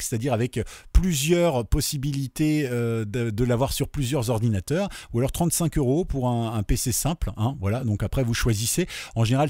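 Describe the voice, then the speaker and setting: A man with a French accent hosting a casual webradio software tutorial, talking viewers through each step with many fillers. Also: medium pitch, no echo, studio quality. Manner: chatty, many fillers, addresses viewers directly.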